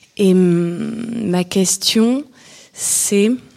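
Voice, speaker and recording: A woman speaks with a dark, mellow tone and medium pitch. Her intonation is fairly even. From Martinique. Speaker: audience member. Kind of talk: audience question. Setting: bookshop event with live audience.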